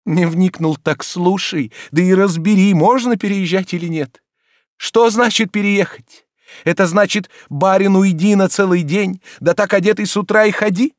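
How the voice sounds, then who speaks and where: A man reading an audiobook voices a petulant idle gentleman who whines and scolds his servant. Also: sits high, normal speed, no echo, studio quality, voice pushed up. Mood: exasperated. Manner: whiny, exasperated, raised and pleading. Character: petulant idle middle-aged gentleman, easily vexed.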